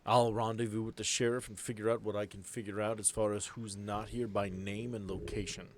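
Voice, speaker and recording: A stern squad commander from a tabletop adventure, acted out by a man. His voice sits low, and he gives orders in a formal, authoritative way that expects to be obeyed. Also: flat delivery, a little fast, background noise, natural voice. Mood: stern, commanding.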